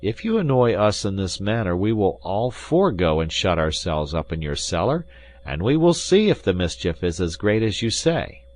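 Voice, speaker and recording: A man's voice: low voice, very animated, moderate pace, voice pushed up. A man voicing an earnest, hot-headed young musketeer who speaks urgently. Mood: threatening. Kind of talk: audiobook character reading.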